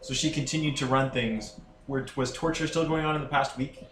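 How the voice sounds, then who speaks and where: A man takes part in a tabletop game, weighing options aloud in casual speech with halting starts. The room is echoey and he is some way from the microphone, over faint background noise. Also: medium pitch, fairly even intonation, a bit bright, recorded from a distance.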